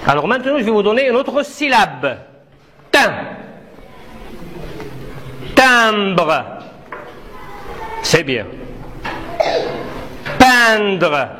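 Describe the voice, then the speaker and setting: A man's voice: sits high, big pitch swings, moderate pace, a bit bright, slight background noise. A man teaching pupils in a classroom, repeating syllables one at a time and correcting answers with short, firm replies. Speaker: primary school teacher. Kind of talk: classroom pronunciation drill.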